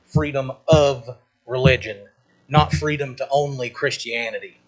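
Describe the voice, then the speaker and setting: A man giving a prepared public statement at a meeting, measured and formal as he lists his points one by one. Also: medium pitch, rough recording. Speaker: public commenter at a school board meeting.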